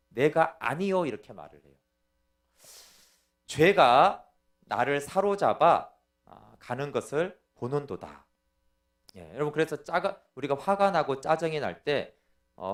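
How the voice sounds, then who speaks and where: Lively, animated Korean pastor teaching. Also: male voice, mid-range voice. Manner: explanatory, checks in with listeners by asking "right?". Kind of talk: sermon lecture.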